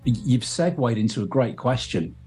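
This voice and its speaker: A man with an Australian accent and a very husky, breathy voice of medium pitch. He talks casually and dryly, in short replies, with faint music behind. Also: sing-song, moderate pace, a little mellow. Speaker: podcast guest. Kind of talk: casual chat.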